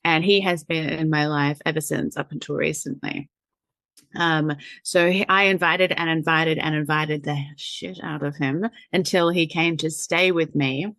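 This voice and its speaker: A woman's voice: low voice, steady tone, measured pace, gravelly, a bit bright, no echo. A woman, a guest chatting casually, rambling and laughing, with lots of fillers and the odd swear. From New Zealand. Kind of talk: casual conversational interview.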